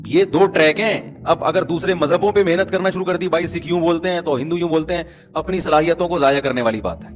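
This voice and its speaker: Animated man preaching a lively sermon. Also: high-pitched. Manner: animated, rhetorical, teasing the audience. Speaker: Islamic preacher. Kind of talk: conversational sermon.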